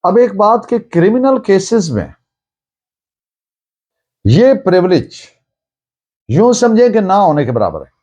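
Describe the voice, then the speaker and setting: Casting: man with Pakistani accent as a didactic lecturer, soft-edged voice, very varied intonation, emphatic delivery. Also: high voice, sing-song, dull audio. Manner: deliberate, emphatic, didactic, mixing in English phrases. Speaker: law lecturer. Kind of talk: lecture on evidence law, dictating citations.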